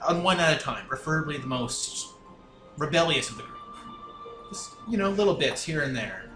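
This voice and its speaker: Man playing a measured, courteous scheming villain lord. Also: on the high side, expressive, distant mic, natural voice. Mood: pleased, scheming. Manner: formal, measured, deliberate. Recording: echoey room with music behind.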